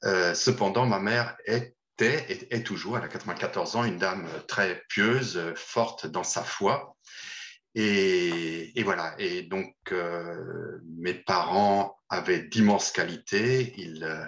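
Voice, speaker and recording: In a German accent, a man speaks at a very slow pace with a fairly low pitch and ordinary pitch variation. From France, Paris region (Yvelines). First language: German (speaking French). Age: 60s. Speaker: former monk, hospital chaplain. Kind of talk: interview testimony. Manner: hesitant, many fillers.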